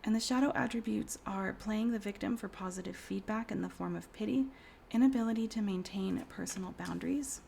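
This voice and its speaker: Hoarse woman in her 30s, gravelly, mellow-toned, soft whispery delivery, casual tarot reader, faint background hiss. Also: mid-range voice, a little fast. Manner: soft, often whispery, rambling with fillers. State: hoarse from a cold. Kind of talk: casual pick-a-card tarot reading.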